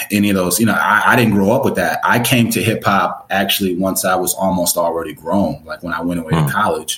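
A man's fairly low voice with ordinary pitch variation, set against noticeable background noise. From suburban Chicago, US. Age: 40s. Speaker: psychology professor and hip hop scholar. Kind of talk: interview.

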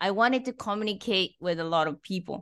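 A woman talks at a medium pitch and a moderate pace, the sound dry and close with no echo and the background quiet. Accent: Japanese. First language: Japanese. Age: 30s. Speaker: language school founder. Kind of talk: radio interview.

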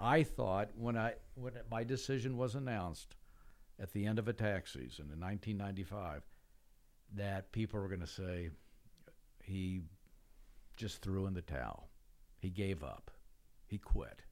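A man with an American accent talks at a fairly slow pace with long, frequent pauses. His fairly low pitch carries lively intonation. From US Midwest, Kansas City. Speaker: retired business executive and former teacher. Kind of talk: casual interview.

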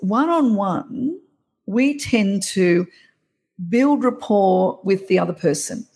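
A woman with a fairly high, somewhat breathy voice and a dark, mellow tone speaks with lively intonation. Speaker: voice coach. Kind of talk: expert conversation, explaining and demonstrating voice techniques. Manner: animated, demonstrates voices.

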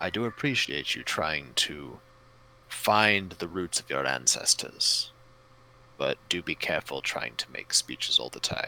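Delivered at a moderate pace, the voice is a put-on character voice. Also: man, very deep, low pitch for a man. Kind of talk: formal lecturing. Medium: actual play. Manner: dry, condescending, measured, weary.

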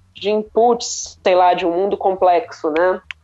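A woman with a plain, everyday voice speaks at a moderate pace. Her pitch is medium, with ordinary pitch variation. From Rio de Janeiro, Brazil. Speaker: design professor. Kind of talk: casual chat.

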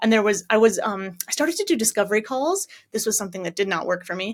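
A woman speaks with a Northeastern US accent and a fairly high pitch. The recording is very clean, with a silent background. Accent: American (Northeastern). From upstate New York. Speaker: accent coach. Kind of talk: casual coaching conversation.

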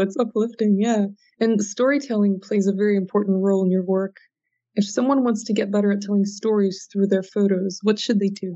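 A woman talks at a fairly quick pace. Hers is a plain, everyday voice. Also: very even loudness. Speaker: podcast host. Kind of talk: interview with scripted ad reads.

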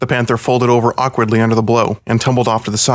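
The clip is reading aloud in a natural voice. The delivery stays that way throughout.

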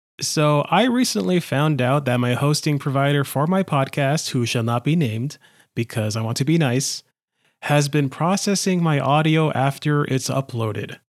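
A man's ordinary speaking voice, fairly high in pitch, with ordinary pitch variation, very even loudness and a moderate pace, on a very clean recording with a silent background. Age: 30s. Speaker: video game podcast host. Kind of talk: solo podcast monologue, partly scripted. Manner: relaxed, casual.

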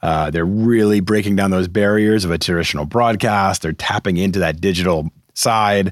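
A man with a very deep, low pitch speaks with hardly any pauses, fairly even intonation and very even loudness on a very clean recording with a silent background. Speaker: podcast host. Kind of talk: casual solo podcast talk answering a fan question. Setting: recorded in advance, studio or home recording. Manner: fast talker when stressed.

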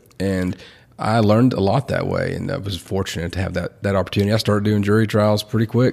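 Fairly low in pitch, a man talks at a very fast pace. His intonation stays fairly even. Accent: Tennessee. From US South, Tennessee (Bledsoe County). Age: 30s. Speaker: judge. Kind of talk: interview. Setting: in-person interview.

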